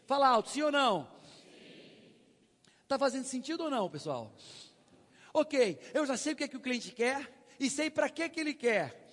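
A man with a very high voice gives a lively sales seminar, acting out both sides of conversations and pushing the audience to call out answers. His voice rings with long reverb from a large hall. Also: a little fast. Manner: animated storytelling, acts out dialogue, prompts audience. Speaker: sales trainer. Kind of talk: live sales seminar talk.

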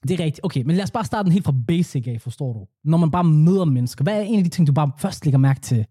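A young man co-hosting a podcast in casual chat, animated and laughing often, dropping in English phrases. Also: on the high side, slightly rough. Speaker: podcast co-host.

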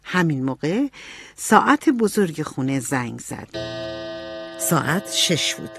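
A woman narrating an audiobook in an expressive storytelling manner. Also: sits low, creaky, music in the background.

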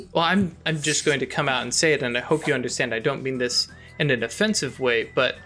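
A man's voice: mid-range voice, a little fast, bright, forceful tone, faint music behind, close to an everyday voice. A man voicing a cautious, polite male society official who apologizes before asking a blunt question. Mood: apologetic. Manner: hesitant, overly apologetic.

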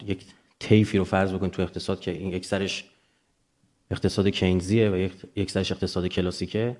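A man's voice: deep voice, darkish tone. A man with an Iranian Persian accent lecturing informally and emphatically, explaining through examples and rhetorical questions.

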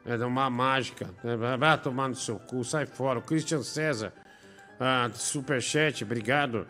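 A man's voice: medium pitch, moderate pace, pushed and bright, faint music behind. A man hosting a live stream, joking crudely and reading out viewer donations and messages. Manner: profane, jokey, reads messages aloud.

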